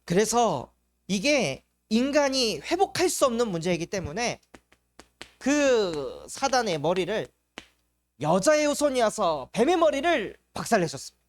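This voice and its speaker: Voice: medium pitch, very animated, moderate pace, no echo, studio quality. A junior pastor preaching at an evangelism school, explaining step by step with rhetorical questions and acting out complaining inner thoughts.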